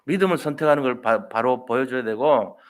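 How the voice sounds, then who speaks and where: A middle-aged male pastor preaching a Sunday sermon, acting out quoted dialogue with lively swings. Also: mid-range voice, brisk.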